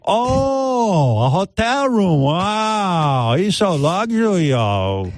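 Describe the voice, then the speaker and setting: A man voicing a naive young woman who speaks broken English and meets everything with halting, astonished questions. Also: high voice, sing-song, no room sound, voice pushed up, exaggerated voice. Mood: amazed.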